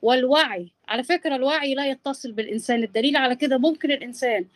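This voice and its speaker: Egyptian lady in her 40s debating, talks super fast, high voice, keeps insisting she gets to finish. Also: no echo. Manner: insistent, asking to be allowed to finish. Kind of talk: informal live debate.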